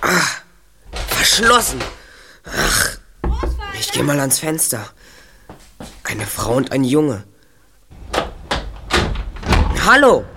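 A man's voice: medium pitch, big pitch swings, slow pace, long pauses. An inquisitive teenage boy detective in a radio play. He sounds level-headed and young, on an older recording with faint noise. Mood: searching.

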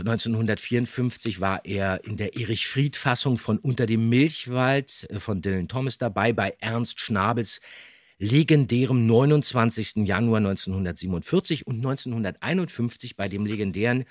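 A man's voice: on the low side, no room sound, studio quality. A man hosting a podcast, talking conversationally and emphatically about radio drama history. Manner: enthusiastic, emphatic. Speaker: podcast host and voice actor.

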